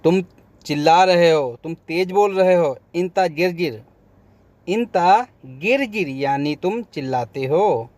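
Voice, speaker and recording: A man's voice: fairly high pitch, takes it slowly, a little mellow, no room sound. A man teaching vocabulary, repeating each word and then giving its meaning. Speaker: language teacher. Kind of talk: vocabulary lesson.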